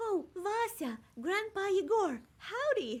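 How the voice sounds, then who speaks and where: A put-on character voice, squeaky, with very wide pitch swings. It moves at a fairly slow pace. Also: woman. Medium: video game.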